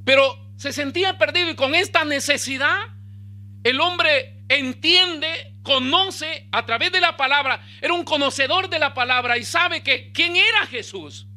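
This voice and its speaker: A male pastor, preaching a sermon with bursts of emphasis and quiet low asides. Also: unhurried.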